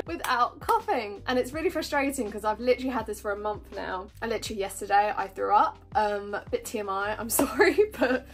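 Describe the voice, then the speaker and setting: A young woman vlogging in a bubbly, chatty way, her voice a little croaky from a cough and often broken by laughs. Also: fairly high pitch, lively intonation, normal speed. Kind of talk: casual chatty vlog.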